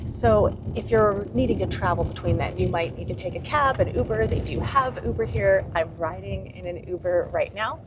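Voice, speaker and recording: A woman's voice: medium pitch, moderate pace, few pauses, dull audio. A woman giving casual travel tips in a chatty, explanatory way, filming on city streets and in a car. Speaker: travel vlogger. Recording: outdoor street noise and crowd.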